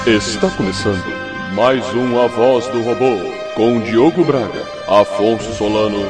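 A man announcing the show's intro through a deep, slowed robot voice filter, with flat, mechanical delivery. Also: recorded from a distance. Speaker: show announcer. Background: loud intro music.

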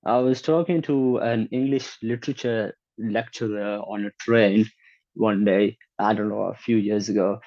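A man's voice: lowish voice, steady tone, a little slow, a little mellow, dry recording, dull audio. A man in his twenties chatting casually, opinionated and acting out quotes as he tells his stories. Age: 20s. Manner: opinionated, acts out quotes, stammers on restarts. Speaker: conversation partner. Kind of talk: casual chat.

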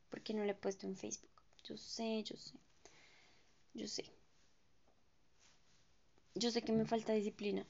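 A woman's voice: mid-range voice, gravelly, a little mellow, lo-fi sound. A young woman with a Colombian accent, telling stories from her work as a home-care therapist in a chatty, emphatic vlog. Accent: Colombian Spanish. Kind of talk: casual storytelling vlog.

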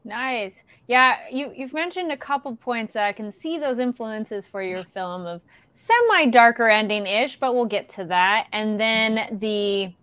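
A female podcast co-host with a smooth, crisp voice, recorded dry and close. She asks questions in an upbeat, casual way that rambles a little. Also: fairly high pitch, animated, unhurried, hardly any pauses, a bit bright, dry recording.

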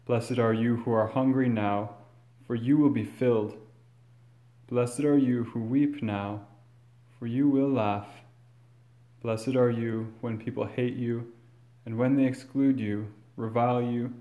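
A man serving as priest, reading the Gospel and then preaching a homily in a measured, earnest way, with some fillers and restarts, recorded in a large church with cathedral echo. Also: mid-range voice, dark tone.

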